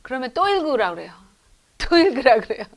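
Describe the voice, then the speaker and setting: Middle-aged woman lecturing with lively stories. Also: high-pitched, brisk. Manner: lively storytelling with rhetorical questions to the audience; acts out children's lines in quotes. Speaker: professor lecturing at a lay school. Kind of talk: church education lecture.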